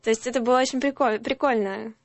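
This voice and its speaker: A woman's voice: on the high side, steady tone, quick pace, no echo. A woman from the Urals with a Urals Russian accent, casually telling anecdotes as a talk show guest.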